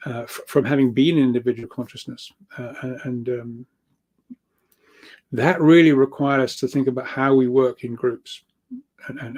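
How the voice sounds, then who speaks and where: In a mellow, soft-edged voice pitched in the middle range, a man speaks casually about spiritual ideas, sounding like a guest speaker describing his research. His delivery is halting and rambling, with frequent chuckles, and he repeats words and circles back as he works through each thought.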